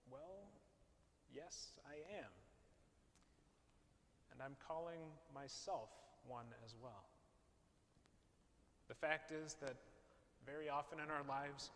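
A male pastor, preaching from a pulpit in a large church, measured and posing rhetorical questions. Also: sits high, fairly bright tone. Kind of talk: sermon. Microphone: far camera, pulpit mic. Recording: long church reverb, faint hiss.

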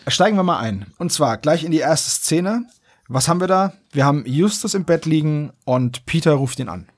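A man's voice: fairly high pitch, expressive, moderate pace, dry recording, studio quality. A man hosting a podcast, chatting casually. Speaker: podcast host.

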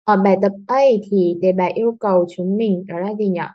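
A woman's voice: mid-range voice, steady tone, fairly quick, dull audio. A young woman teaching a school English lesson online, explaining patiently step by step and often checking that her pupils follow. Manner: patient, explains step by step, asks "đúng không".

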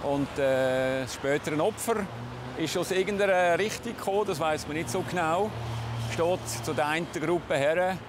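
A police investigator with a Swiss German accent plainly recounts events in a documentary interview on a city street. His voice is a little high and his speed normal. Urban street noise and passing vehicles sound behind him.

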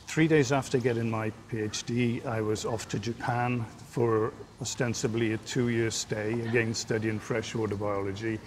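A man's voice: mid-range voice, slight background noise. An older man from Wales, an aquarium director, telling stories in an outdoor TV interview on a lapel mic. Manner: articulate, relaxed storytelling.

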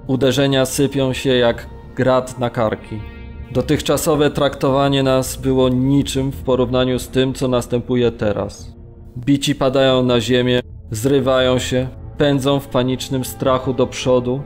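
Grave witness-narrator for radio drama male actor, mid-pitched, measured, restrained. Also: a little mellow, natural voice. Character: male Polish camp prisoner recalling brutality, grave, restrained. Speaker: narrator reading witness testimony.

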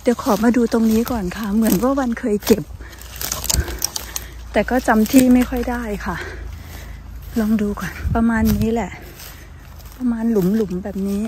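A woman with a high, bright-toned voice talks straight to her viewers as she walks through a forest. She is easily excited and often lets out little squeals and exclamations. Her voice comes through a handheld phone with a faint hiss behind it. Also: moderate pace, long pauses. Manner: excitable, squeals and exclaims when finding mushrooms. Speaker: vlogger. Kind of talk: casual outdoor vlog narration. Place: outdoors in a forest.

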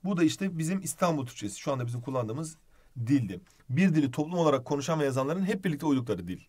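A man's voice: mid-range voice, darkish tone. A man teaching a literature lesson online, explaining step by step and addressing students as friends while writing on the board.

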